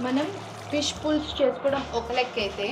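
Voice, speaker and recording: A woman's voice: sits high, fairly quick. A young woman from India's Telugu-speaking south, chatting casually as she hosts a home cooking vlog and slipping English phrases into her talk. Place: home kitchen. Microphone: small pocket camera. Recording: home recording with clear background noise.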